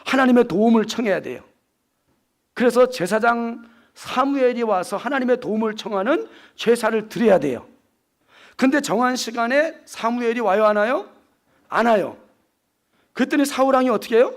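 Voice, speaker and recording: A man in his fifties delivers an evening sermon as a pastor, his voice pitched high with a gravelly edge. He keeps asking the congregation questions and answers them himself. He also acts out the quoted lines of the people in his story. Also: expressive, moderate pace. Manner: preaching with rhetorical questions and acted-out quotes.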